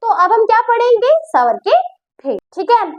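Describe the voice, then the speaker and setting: A woman's voice: very high-pitched, very animated, moderate pace, highs cut off. A woman teaching a grammar lesson, who explains patiently, repeats her points and checks whether the class understood.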